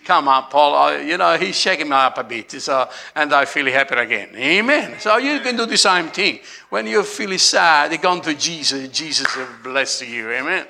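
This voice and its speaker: A man's voice: on the high side, expressive, moderate pace, gravelly, hardly any pauses, pushed and bright. A man with an Italian accent preaching a jovial, laughing Christmas sermon as pastor, dropping frequent amens.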